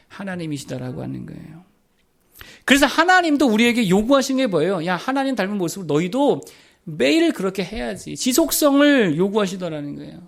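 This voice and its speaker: High-voiced man preaching a sermon. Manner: rhetorical questions, drops to a low voice for quoted lines. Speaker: pastor.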